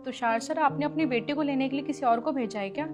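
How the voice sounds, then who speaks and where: A woman's voice: high voice, quick pace, over music, lightly acted. A woman playing a firm school principal who lectures a father about his child's safety. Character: stern caring female school principal.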